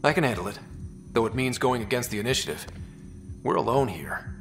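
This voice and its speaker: A man's voice: mid-range voice, expressive, fairly quick, creaky, faint music behind. An actor playing a resolute young man who leads a space exploration team in a video game, casual and confident. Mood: resolved.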